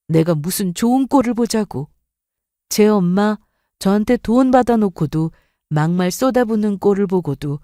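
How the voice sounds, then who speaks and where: A woman's voice: medium pitch, dark tone, no room sound, studio quality. A woman in her thirties narrating her own story in first person, aggrieved and emotional.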